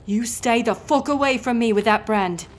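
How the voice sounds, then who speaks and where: A woman's voice: fairly high pitch, normal speed, background noise, lightly acted. A woman playing a defiant, sarcastic, foul-mouthed ship captain held prisoner in an audio roleplay. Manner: sarcastic, wordy, biting.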